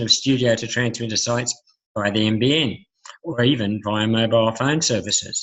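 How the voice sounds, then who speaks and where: This man talks in an Australian accent. He keeps up a fairly quick tempo. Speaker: broadcast technology trainer. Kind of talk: webinar presentation.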